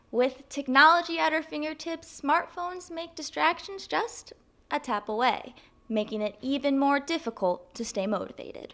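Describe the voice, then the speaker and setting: A woman speaks at a moderate pace in a high pitch, her bright, sharp tone swinging very widely up and down. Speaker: TV news reporter. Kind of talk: stand-up reporter delivery.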